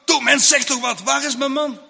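A man's voice: extremely high pitch, normal speed, creaky, pushed and bright, pitched above the performer's own voice, heavily acted. A man voicing a worried farm mother who questions anxiously in a story.

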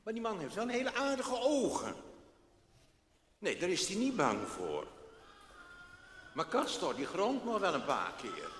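A man reading a children's story aloud in an animated, expressive manner. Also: high-pitched, a little slow, pauses often, slight background noise. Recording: echoey hall, faint background.

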